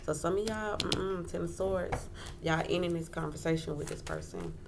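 A woman's voice: fairly low pitch, very animated, moderate pace. A woman giving a casual tarot reading as host, talking informally, repeating phrases and checking in often. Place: indoors at a wooden table. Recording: clearly noisy home recording.

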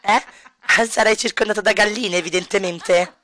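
A man voicing an uptight, scolding woman archaeologist in a life-sim game playthrough, speaking snappishly and with clear irritation. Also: high-pitched, steady tone, moderate pace, bright, forceful tone. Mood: irritated, scolding. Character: prickly, uptight woman archaeologist on a work trip.

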